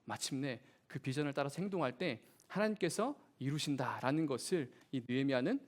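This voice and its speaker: A man's voice: mid-range voice, animated, a little fast. A man preaching a sermon to a young congregation in church, asking them questions as he goes. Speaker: youth pastor.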